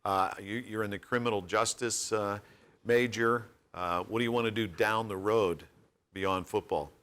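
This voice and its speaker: A man's voice: lowish voice, fairly even intonation, normal speed, fairly bright tone, smooth. A man hosting a sports radio show, interviewing a college football player in a friendly, folksy way with joking asides.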